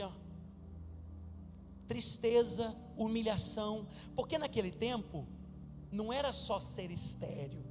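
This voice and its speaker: A male pastor preaching an animated sermon and calling on the congregation, at times rising to a shout. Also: sits high. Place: church sanctuary. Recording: reverberant church hall with music behind. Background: music.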